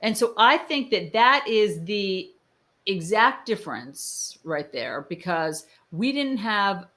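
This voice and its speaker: A mid-fifties woman hosts a podcast interview in an animated, emphatic way. She asks her guests questions and presses her points with strong stress. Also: mid-range voice, takes it slowly. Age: 50s. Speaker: podcast host.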